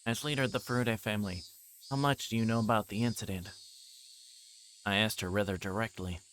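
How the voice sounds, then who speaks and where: A man's voice: lowish voice, fairly even intonation, fairly quick, fairly bright tone, a little hiss or hum, poor audio. A man reading a visual novel aloud on a livestream, narrating in first person and occasionally stumbling over words. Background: game music.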